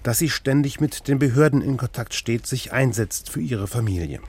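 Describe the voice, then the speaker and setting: A man reporting and narrating a scripted radio feature in a measured, even way. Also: mid-range voice, husky.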